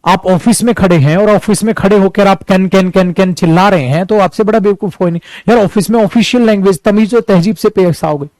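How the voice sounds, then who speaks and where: Man, teacher, high voice, dry close sound, chatty online lesson, acts out examples. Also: a little fast, few pauses, darkish tone, no echo. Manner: chatty, calls students "beta". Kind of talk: online English lesson in Hindi.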